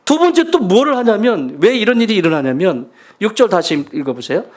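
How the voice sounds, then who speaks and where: A man's voice: high-pitched, big pitch swings, brisk. A man preaching a sermon as pastor, emphatic and leading his congregation in call-and-response. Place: church sanctuary.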